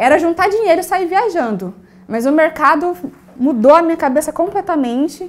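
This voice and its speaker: A woman with a strong Minas Gerais accent, very wide pitch swings and a moderate pace. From Brazil, Minas Gerais interior (Uberlândia). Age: 20s. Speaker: travel influencer. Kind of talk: talk to an audience.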